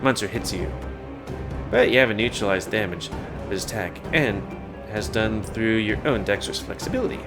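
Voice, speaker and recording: A man's voice: fairly low pitch, normal speed. A man casually reading a game's text aloud and adding joking asides. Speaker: gamer. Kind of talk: let's play, reading game text aloud. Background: game music.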